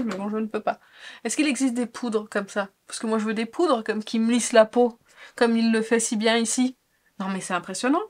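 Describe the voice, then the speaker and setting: Enthusiastic woman beauty vlogger. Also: fairly high pitch. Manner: enthusiastic, gushing, soft asides. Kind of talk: casual makeup tutorial.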